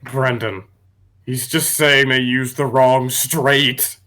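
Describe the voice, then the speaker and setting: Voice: mid-range voice, fairly even intonation, takes it slowly, pushed and bright. A person casually reading posts and commenting among friends.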